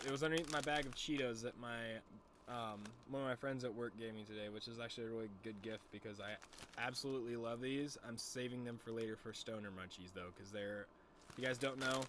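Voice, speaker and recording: A young man rambles loosely to his audience, his speech catching on a lisp and a stutter. He swears freely and keeps the chat jokey and meandering. A faint hiss sits under the recording. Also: medium pitch. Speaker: streamer. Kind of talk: casual stoner vlog chat.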